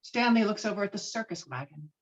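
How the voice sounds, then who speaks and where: A woman's voice: medium pitch, lively intonation, a little fast. Woman reading screenplay directions, lo-fi audio. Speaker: stage directions reader at a table read. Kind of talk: dramatic screenplay narration. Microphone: video call.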